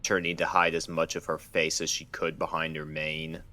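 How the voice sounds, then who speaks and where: A man's voice: a bass voice, completely flat delivery, moderate pace, pushed and bright. A man reading scripted fan fiction as the narrator of a dramatic story.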